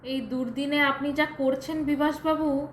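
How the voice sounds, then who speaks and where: A woman playing a gentle, weary, grateful young housewife in an audio drama, speaking hesitantly and politely. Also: high-pitched, steady tone, moderate pace, lightly acted. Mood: tearful gratitude. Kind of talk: Bengali audio drama acting. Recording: echoey room, faint background noise.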